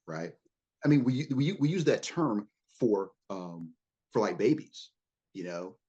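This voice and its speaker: A man's voice: fairly low pitch, expressive, measured pace, warm tone, breathy edge, highs cut off. A man speaking as a guest in a podcast interview, earnest and often repeating words as he builds a point. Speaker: guest, leadership consultant.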